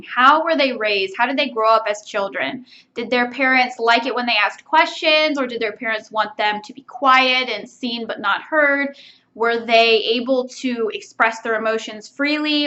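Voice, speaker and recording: Bright, higher-pitched woman teaching. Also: muffled recording. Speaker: writing instructor. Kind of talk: instructional video lesson.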